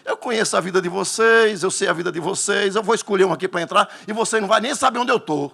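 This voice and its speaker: A man's voice: sits high, fast talker, vocal fry, sharp tone, pitched above the performer's own voice, exaggerated voice. A man with a Northeastern Brazilian accent voicing a boastful male demon that taunts a congregation. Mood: taunting.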